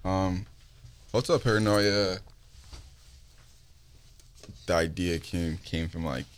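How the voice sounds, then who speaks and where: A man's voice: sits low, fairly even intonation, a little slow, clear, resonant tone. A young man in a casual chat, talking like a frat bro with slang, swearing and lots of "like". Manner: slangy frat-bro talk, frequent profanity and "like". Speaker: interview guest, touring recording artist.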